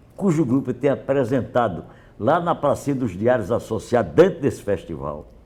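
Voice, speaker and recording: A dark, mellow voice with vocal fry moves at a moderate pace, its pitch swinging very widely. The recording is very clean with a silent background. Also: man, medium pitch for a man. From Paraíba, Brazil. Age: 60s. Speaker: veteran radio host. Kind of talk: interview.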